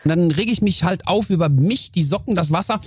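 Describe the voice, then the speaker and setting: A man guesting on a podcast, telling lively stories in casual chat and briefly acting out his own outbursts. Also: sits high, fairly quick, breathy edge, no room sound, clean studio sound.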